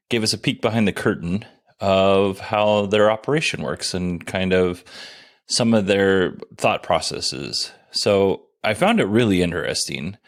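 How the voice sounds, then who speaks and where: Deep-voiced self-deprecating podcast host man. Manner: self-deprecating, says he has a monotone voice. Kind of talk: casual solo podcast commentary.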